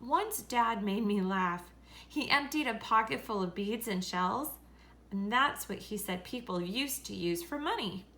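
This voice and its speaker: Slow-paced woman reading a children's story. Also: mid-range voice, animated, a bit bright. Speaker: story reader. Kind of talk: read-aloud children's story narration.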